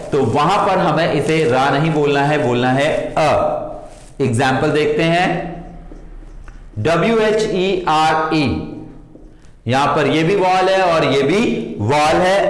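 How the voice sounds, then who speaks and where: A man with an Indian accent teaches a pronunciation lesson. His voice sits high and he takes his time. He drills each word over and over in an echoey room. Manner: drills words by repeating them, asks the listener to repeat. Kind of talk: classroom-style lesson explaining rules.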